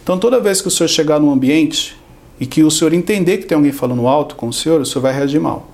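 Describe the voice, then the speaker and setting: A man's voice: a little high, fast talker, darkish tone. A Brazilian man on a podcast, teaching in a conversational way, explaining with everyday examples and acting out quotes. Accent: Brazilian Portuguese. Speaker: podcast guest.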